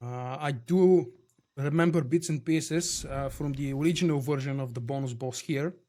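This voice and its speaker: A man's voice: mid-range voice, normal speed, a little mellow. A man from Bulgaria with a Bulgarian accent, casually chatting with viewers while streaming a game. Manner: chatty, reads and answers viewer chat. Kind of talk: casual live-stream chat.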